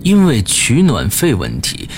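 A man reading a horror story as the narrator, slow and suspenseful, with dramatic pauses. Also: mid-range voice, huge pitch swings, soft background music.

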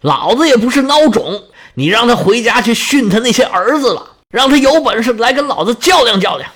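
A blustering old sea god, voiced by a male storyteller, complains loudly about being wronged and then talks big and defiant. His voice sits high and swings up and down a lot. It sounds like a comic storybook telling. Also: wildly swooping pitch, normal speed, slightly rough, heavily acted. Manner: indignant, grumbling, boastful.

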